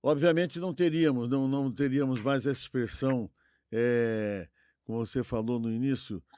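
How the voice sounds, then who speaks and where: A man with a Brazilian accent co-hosting a podcast, offering opinions conversationally and rephrasing haltingly as he thinks aloud. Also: mid-range voice, darkish tone, clean tone, no echo, studio quality. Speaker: podcast co-host. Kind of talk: conversational commentary, giving opinions.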